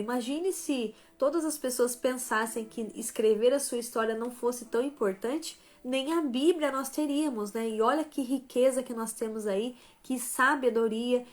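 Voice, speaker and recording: A woman giving a motivational Christian talk on a live stream, tagging phrases with "né?" and "tá?" and shifting between softer and stronger emphasis. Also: on the high side. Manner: tags most phrases with "né?" and "tá?"; greets viewers by name mid-talk. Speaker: live stream host and author.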